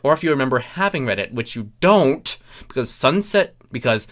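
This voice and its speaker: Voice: mid-range voice, sing-song, moderate pace, fairly bright tone. A story narrator reading comic fiction aloud in a theatrical, mock-pompous manner, breaking off for asides.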